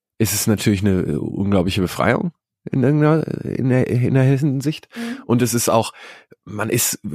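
A man's voice, recorded dry and close with no echo. The recording is very clean, with a silent background. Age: 20s. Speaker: podcast guest, submissive, university student. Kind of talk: casual interview conversation. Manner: halting, many filler sounds.

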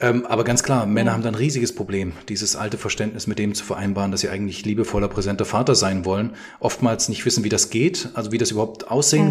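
Speaking at a very fast pace, a man lets his pitch vary in an ordinary way. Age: 30s. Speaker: fathers' coach. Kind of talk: casual interview.

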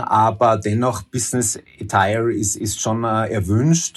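In an unremarkable speaking voice, a man talks at a fairly slow pace with fairly even intonation. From Austria. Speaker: trade delegate and export expert. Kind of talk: interview.

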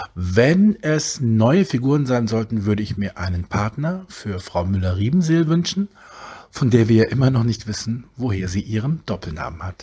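This man's voice is somewhat breathy and dark and mellow in tone, at a medium pitch. He talks at a moderate pace with very wide pitch swings. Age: 40s. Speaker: listener sending voice message. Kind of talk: voice message.

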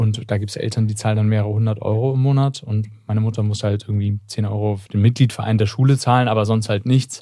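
The voice has a dark, mellow tone and runs at a very fast pace with monotone, flat intonation and hardly any pauses. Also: man, fairly low pitch for a man. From Hamburg, northern Germany. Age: 30s. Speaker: journalist and author. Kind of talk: interview conversation.

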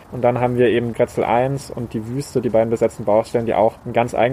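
A man at a medium pitch, very fast, with monotone, flat intonation. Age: 20s. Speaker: climate activist. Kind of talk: interview. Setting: food tent at outdoor protest camp, face mask.

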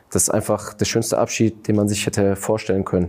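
A man with a dark, mellow tone speaks at a moderate pace on a very clean recording with a silent background. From Germany, Ruhr area (Gelsenkirchen). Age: 30s. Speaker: professional footballer. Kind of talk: interview. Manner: halting.

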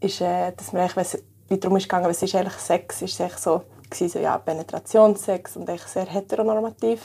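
A woman of medium pitch with a dark, mellow tone at a moderate pace. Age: 20s. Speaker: teacher. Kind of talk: interview.

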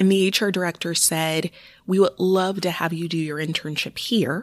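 Hers is an unremarkable speaking voice, a woman's, fairly low in pitch with fairly even intonation. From Ohio, US, after childhood in Germany. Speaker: corporate diversity director. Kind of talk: interview conversation. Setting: in person at a hotel during a conference.

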